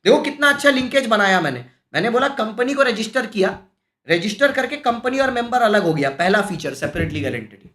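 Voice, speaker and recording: A man teaching a live-streamed exam-prep class, animated and scolding, full of rhetorical questions. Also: high voice, fairly quick. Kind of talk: lively live-streamed lecture. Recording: echoey room.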